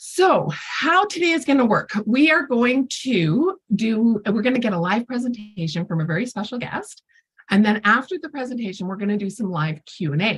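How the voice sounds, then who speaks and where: Somewhat breathy and animated, a woman speaks at a moderate pace with a fairly high pitch and very wide pitch swings. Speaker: webinar host. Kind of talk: live webinar introduction.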